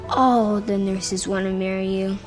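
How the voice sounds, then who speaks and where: A woman's voice: mid-range voice, fairly even intonation, unhurried, close to an everyday voice. A woman voicing a curious, chatty little boy who is a hospital patient, talking sweetly and earnestly. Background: music.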